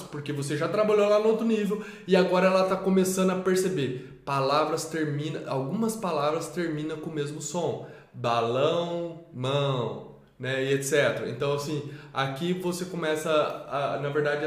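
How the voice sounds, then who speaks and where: A man's voice: a little high, reverberant. A man presenting a children's literacy method in a lesson, explaining step by step and answering his own questions.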